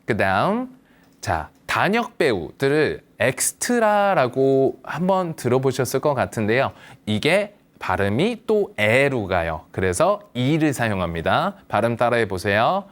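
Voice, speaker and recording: A man's voice: medium pitch, very animated, moderate pace, few pauses. A man teaching English pronunciation to older learners, patiently modelling words for the viewer to repeat and reassuring them. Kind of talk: slow, patient language lesson for seniors.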